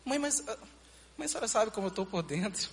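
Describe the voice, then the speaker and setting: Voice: mid-range voice, lively intonation, fast talker, slightly rough, long reverb tail. A performer playing an anxious, wounded son. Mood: hurting. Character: anxious adult son, skeptical, emotionally wounded. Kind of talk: comic church sketch acting.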